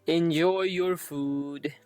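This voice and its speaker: A woman's voice: deep voice, fairly even intonation, very slow, darkish tone. A woman livestreamer giving casual, offhand reaction commentary in a laid-back way.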